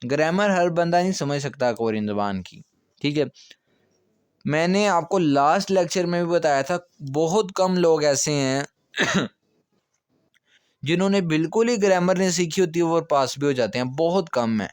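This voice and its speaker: A man's voice: on the high side, expressive, moderate pace, smooth, dry recording, studio quality. A man teaching a grammar lesson, explaining step by step and checking in with "okay" often. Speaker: language teacher.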